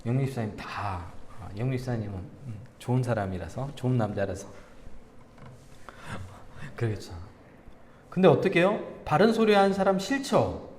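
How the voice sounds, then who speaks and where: A man's voice: mid-range voice, moderate pace, pauses often, slight background noise. A male pastor preaching a conversational sermon, asking the congregation questions and telling stories. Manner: animated, asks the congregation questions, tells anecdotes with laughter. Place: church sanctuary. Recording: reverberant church hall.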